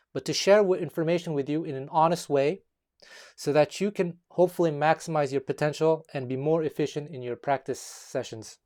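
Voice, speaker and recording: A man's voice: a little high, a little mellow. Careful-spoken man from Montreal. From Montreal, Quebec, Canada. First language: Taiwanese. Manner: measured, careful with his words, with frequent um and uh. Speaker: guitar teacher and musician. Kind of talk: talking-to-camera video essay.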